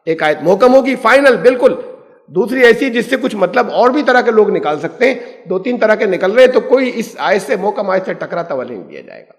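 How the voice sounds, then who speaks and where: A man with a strikingly high voice gives a Quran lesson, explaining step by step and asking rhetorical questions. His words ring out with a long reverb from a lecture hall. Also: sing-song. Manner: explanatory, poses rhetorical questions, mixes English terms. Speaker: Islamic scholar teaching the Quran.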